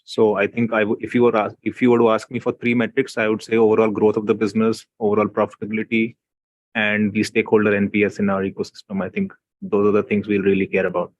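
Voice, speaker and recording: A man speaking as a company executive, giving unscripted answers to investor questions with measured, hesitant phrasing. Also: lowish voice, little pitch movement, dry recording, muffled recording. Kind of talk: unscripted earnings call answers.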